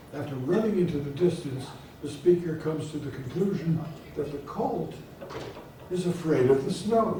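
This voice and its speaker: A man talks at a moderate pace with a fairly high pitch and ordinary pitch variation, leaving long, frequent pauses over noticeable background noise. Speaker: voice actor, narrator. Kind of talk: spoken introduction to a poem. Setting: live audience at a library.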